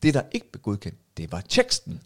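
A man's voice: on the low side, huge pitch swings, fairly bright tone. A man co-hosting a podcast, telling a story in a casual chat and laughing often. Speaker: podcast co-host.

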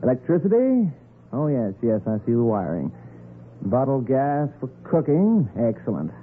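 An actor playing a smooth, officious con man with falsely sympathetic manner in a 1940s radio drama. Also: mid-range voice, huge pitch swings, moderate pace. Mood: brisk, polite. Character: smooth, crisp male con artist posing as health researcher. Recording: noisy, narrow-band 1940s radio recording.

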